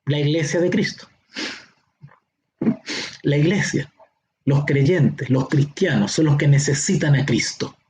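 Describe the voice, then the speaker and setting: A man's voice: fairly high pitch, a little mellow. Chilean man teaching a Bible class. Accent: Chilean Spanish. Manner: explains slowly, stretching key words, with frequent checks like "¿ya?". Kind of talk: live Bible seminar teaching. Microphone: online class or teleconference.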